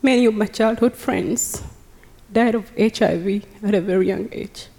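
A woman's voice: mid-range voice, moderate pace, gravelly, warm tone. A young Ugandan woman with a Ugandan accent giving her personal testimony to a congregation, earnest and speaking straight to the audience. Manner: earnest, engaging the audience directly. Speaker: guest speaker. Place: church sanctuary. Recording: reverberant church hall.

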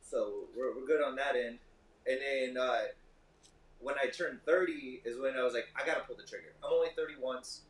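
A man's voice: medium pitch, moderate pace, distant mic. A man in his thirties from Michigan, a shop owner guest telling long, rambling stories in a casual podcast chat. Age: 30s. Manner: talkative, rambling storyteller. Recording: roomy, off-mic.

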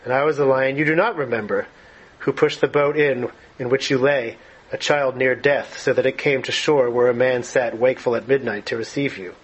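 Man reading as a huge wise lion, slow, grave, measured, storybook reading. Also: medium pitch, steady tone, breathy edge, close to an everyday voice, rough recording. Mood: solemn. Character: huge deep-voiced lion, calm, solemn and wise.

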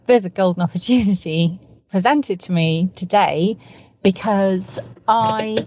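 A woman's voice: fairly low pitch, darkish tone, highs cut off, a little hiss or hum. A woman with a cold, talking in an eager, rambling way and piling up words for emphasis, recorded in a parked car. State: has a cold. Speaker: podcast co-host. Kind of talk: recorded voice message, casual.

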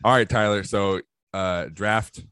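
A man's voice: on the low side, fairly even intonation, measured pace, fairly bright tone, clean tone, dry recording. A man hosting a podcast draft, chatting casually with dry, self-mocking humor. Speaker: podcast host running the draft. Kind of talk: casual chat.

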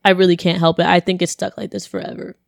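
A young woman, a college student, telling a story in casual chat, her voice deeper than usual and a bit congested, with lots of "like" and acted-out quotes. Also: fast, gravelly, dry recording, studio quality. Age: young adult. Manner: chatty, animated, lots of "like", acts out quotes.

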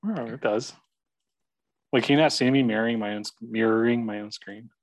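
A man's voice: mid-range voice, fairly even intonation, brisk, dry recording. A young man co-hosting a podcast, teasing and playful in casual chat. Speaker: podcast co-host.

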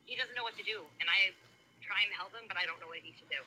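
Woman caller on speakerphone, mid pitch, rushed and chatty. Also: crowd noise, poor audio. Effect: heard over a phone speaker. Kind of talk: casual chat.

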